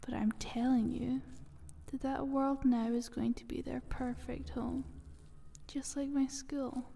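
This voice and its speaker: A woman playing a sly, taunting eldritch monster in a soft, breathy, half-whispered ASMR roleplay. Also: high voice, flat delivery, exaggerated voice. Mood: sly, playful. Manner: slow, teasing, condescending.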